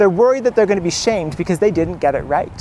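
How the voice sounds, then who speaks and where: A woman talks at medium pitch, and noticeable background noise can be heard. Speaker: vlogger. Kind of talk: opinion monologue. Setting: outdoors.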